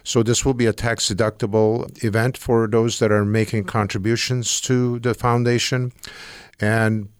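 An earnest man in his sixties who grew up in Turkey talks as a guest on a radio interview. He rambles a bit and restarts his sentences. His voice sits fairly low and sounds dry and close. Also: little pitch movement, moderate pace, smooth, no room sound. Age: 60s. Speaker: guest, Rotary Club president.

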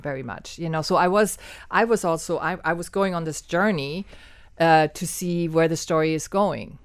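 German-accented woman, 50s, low dry voice, lively interview guest, laughs a lot. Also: dry recording. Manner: animated, laughs often, repeats words when searching. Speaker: documentary filmmaker, guest. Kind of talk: casual interview conversation.

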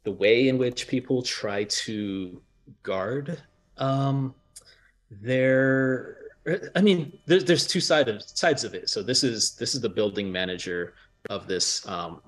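A Jamaican American author from the United States, of Jamaican family, speaks in a lowish voice. He talks haltingly, with many fillers and laughs, and reads from his book.

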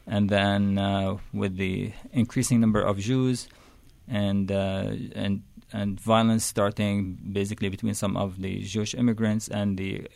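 A man from Palestine, a professor, speaking as a radio guest with a halting delivery full of fillers. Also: lowish voice, little pitch movement, vocal fry, a little mellow, dry recording. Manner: halting, many fillers and restarts. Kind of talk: radio interview.

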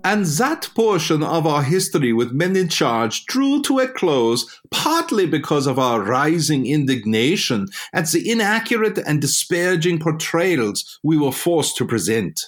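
A man's voice: on the high side, sing-song, unhurried, few pauses. Swooping, indignant existentialist played by a man. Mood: pompous indignation. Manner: pompous, indignant, academic. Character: pompous, indignant German existentialist Hans. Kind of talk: scripted mock-retrospective narration.

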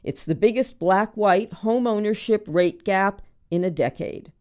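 A woman reporter reading a scripted news report in a steady, clipped way. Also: medium pitch, a little slow, clear, resonant tone. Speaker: radio reporter.

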